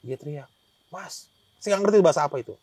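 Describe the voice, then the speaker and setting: A man's voice: a little high, lively intonation, rapid-fire, a little mellow, husky, no echo. A man telling a guest story in a rambling way, with many restarts and acted-out quotes. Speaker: hiker telling his experience as a guest. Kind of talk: casual storytelling interview.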